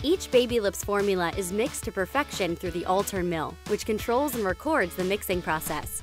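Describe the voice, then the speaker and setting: A woman talks at a fairly quick pace with hardly any pauses. Music plays in the background. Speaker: voice actor. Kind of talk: product narration voice-over.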